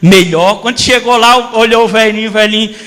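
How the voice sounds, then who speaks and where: A male pastor from Brazil, preaching a sermon as animated storytelling and acting out voices. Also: high voice, brisk, in a large hall. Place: church hall.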